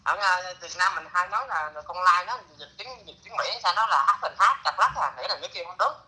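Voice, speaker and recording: A middle-aged man telling a story in a casual, lively way, slipping into broken English phrases. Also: sits high, brisk, low-quality recording. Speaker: interviewee.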